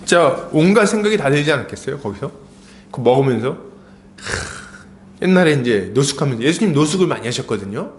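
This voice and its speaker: A man preaching a sermon as pastor, storytelling with animated, acted-out lines. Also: medium pitch, brisk.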